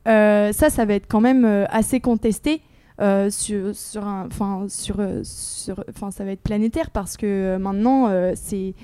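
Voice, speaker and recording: A woman's voice: mid-range voice, fairly even intonation, measured pace, dark tone, clear, resonant tone, no echo. A woman co-hosting a casual panel discussion, talking hesitantly with many fillers.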